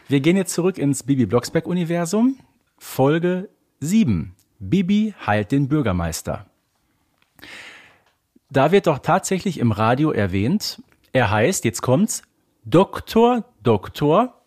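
A man's voice: a little high, sing-song, measured pace, a little mellow. A man co-hosts a casual fan discussion, playfully building up his points with theatrical flair. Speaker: podcast co-host.

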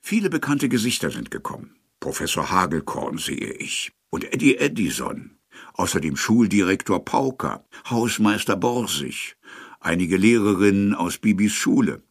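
Deep, animated storyteller. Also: male voice, breathy edge, exaggerated voice. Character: excited male storyteller reporting on a gathering crowd. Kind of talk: scripted audio drama narration.

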